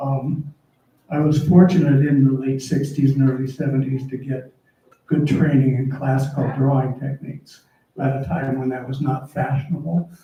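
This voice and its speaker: Soft-spoken and fairly high-pitched for a man, he talks at a moderate pace with monotone, flat intonation. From Wyoming. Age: 70s. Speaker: visual artist. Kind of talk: artist talk. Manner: halting.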